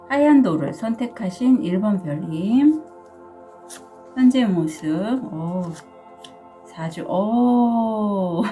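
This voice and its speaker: A middle-aged woman with a cold-roughened voice, chatting casually through a tarot reading with small laughs and fillers. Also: mid-range voice, mellow. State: sore throat from a cold. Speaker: tarot reader.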